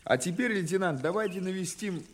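An actor playing a dry, insistent Soviet investigator with an ironic, authoritative manner in an audio drama. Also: male voice, high-pitched, animated, brisk. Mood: probing, dry.

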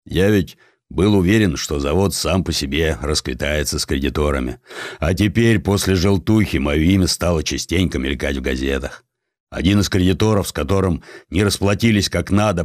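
A man's voice: a bass voice, no echo, studio quality. A man voicing a guilt-ridden, bitter bankrupt in his forties, mournful and resigned, in an audiobook story.

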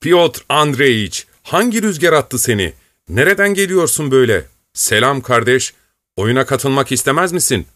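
A man voicing a boisterous, hard-drinking army major who talks loudly and teases in a jovial way. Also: mid-range voice, lively intonation, moderate pace, no echo, clean studio sound, pitched above the performer's own voice, natural voice. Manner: loud, jovial, teasing.

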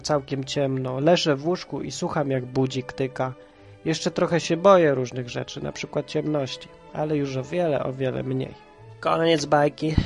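A man's voice: fairly high pitch, vocal fry. Man with a cold reading a tale. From Kraków, Poland. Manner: lively, playful storytelling. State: stuffy with a head cold. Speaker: storyteller and podcast host. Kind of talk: reading a children's story aloud.

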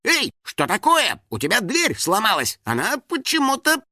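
A man voicing a cheeky, indignant male house spirit in a children's audiobook, shouting his lines in a high, strained voice. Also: wildly swooping pitch, moderate pace, no echo, clean studio sound, exaggerated voice. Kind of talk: audiobook character voice.

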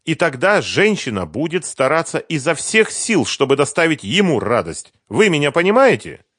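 Male reader doing a coy twenty-something woman singer, raised voice, lively rise and fall, dry close sound. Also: a little high, normal speed, breathy edge, no room sound, pitched above the performer's own voice, full character voice. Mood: coaxing. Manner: sighing, persuasive, lightly complaining. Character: young woman pop singer, 23, coy and calculating.

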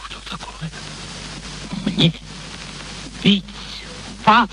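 An actor playing an irascible, arrogant professor in a Russian radio play, blustering and exclamatory. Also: male voice, high voice, drawn-out words, a bit bright, full character voice. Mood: furious, wounded. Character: irascible, arrogant male professor Higgins, bullying and indignant. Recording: noisy old radio drama recording.

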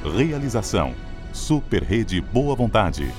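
A man's voice: fairly low pitch, very animated, takes it slowly, music in the background. A man with a Brazilian accent reading a scripted radio drama introduction in a solemn, dramatic announcer's delivery.

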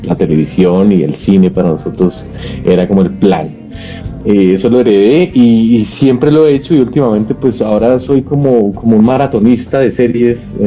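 A man's voice: lowish voice, mellow, dull audio. A man, an actor answering interview questions in a reflective, casual way with many hesitant fillers. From Colombia.

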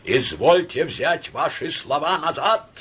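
A man's voice: on the low side, sing-song, a little slow, a little hiss or hum. A man voicing a pompous, hot-tempered middle-aged army doctor who speaks stiffly and emphatically. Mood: indignant.

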